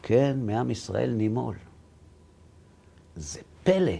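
A man, a rabbi, telling stories in an animated way and slipping into voices to act out the dialogue. His voice is gravelly and husky, with a middling pitch. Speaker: rabbi and lecturer. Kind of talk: storytelling in a conversation.

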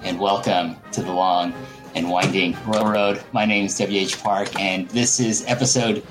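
A man hosting a podcast interview in casual chat, halting and often repeating his words. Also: sits low, fairly even intonation, music in the background. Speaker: podcast host.

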